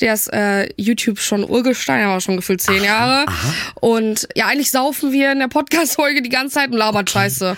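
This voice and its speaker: A woman talks at a very fast pace with hardly any pauses. Noticeable background noise runs underneath. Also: fairly high pitch for a woman. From Cologne, western Germany. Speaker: podcaster and social media creator. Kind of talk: casual chat.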